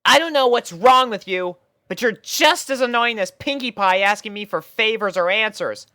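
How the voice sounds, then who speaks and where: A man voicing a cocky, tomboyish female pegasus pony in a high, strained falsetto, loud and brash. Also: moderate pace, no room sound, studio quality. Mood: fed up.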